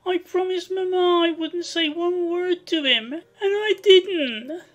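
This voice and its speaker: A pampered young boy played by a woman whines and sobs in a very high, slow voice. The recording is a dull storybook dramatization with music behind. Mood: tearful, whiny. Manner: sobbing, slow.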